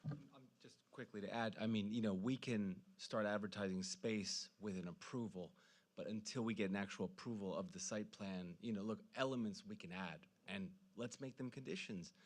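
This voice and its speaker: Man with a lowish voice. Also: moderate pace. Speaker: applicant's representative. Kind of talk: explaining at a public meeting.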